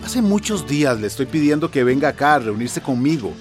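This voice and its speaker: An actor playing a weary, exasperated small-town mayor in a radio drama, pleading on the phone and then grumbling to himself. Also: male voice, medium pitch, sing-song, a little fast, faint music behind, close to an everyday voice. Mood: urgent.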